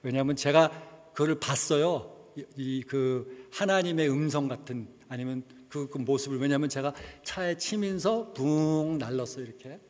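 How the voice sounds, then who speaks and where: A man's voice: mid-range voice, normal speed, a little mellow. A middle-aged man, a missionary, giving a conversational sermon with personal testimony and dropping English words into his speech. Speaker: missionary preacher. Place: church sanctuary. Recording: long church reverb.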